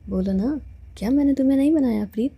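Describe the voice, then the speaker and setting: A woman's voice: sits high, quick pace, vocal fry, noisy background. A woman doing a playful teasing young woman. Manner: teasing, joking.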